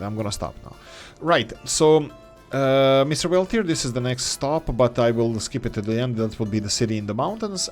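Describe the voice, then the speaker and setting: Low-voiced man, hesitant gameplay commentary. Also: darkish tone. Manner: hesitant, many fillers and restarts; speaks English as a third language. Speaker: game let's-play host. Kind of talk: thinking-aloud gameplay commentary.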